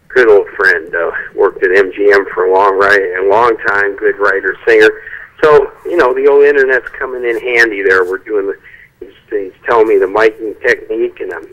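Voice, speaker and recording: A man's voice: on the low side, fairly bright tone. A man on a speakerphone call, chatting casually as an interview guest, rambling a little and restarting his sentences. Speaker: guest songwriter. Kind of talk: phone-in interview chat. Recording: phone line, breaking up.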